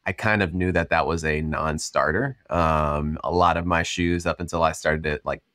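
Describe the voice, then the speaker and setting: A man born in Cameroon, a startup founder, talking through his story in a relaxed, chatty way with lots of ums and you-knows. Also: rumbling low, moderate pace, dry recording, clean studio sound. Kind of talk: casual storytelling interview.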